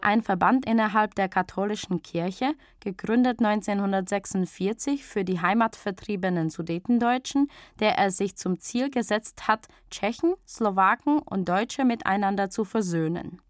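A woman narrates a radio documentary, reading a prepared script in an even, measured voice. Her pitch sits at a middle level for a woman. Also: no room sound, studio quality.

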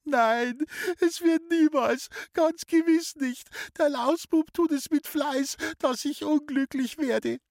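A man doing a tearful, shrill teenage sister. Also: expressive, normal speed, husky, no room sound, clean studio sound. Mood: weeping. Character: young woman, teenage sister, tearful and touchy.

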